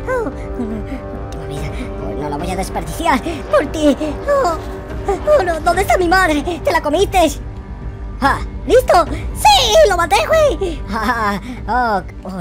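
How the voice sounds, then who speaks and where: Man putting on a high-pitched excitable Latin American boy. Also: full character voice. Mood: relieved, excited. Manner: exclamatory, dramatic, whiny. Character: excitable, easily panicked naive boy game character. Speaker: gaming YouTuber. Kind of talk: excitable gameplay roleplay commentary. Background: music.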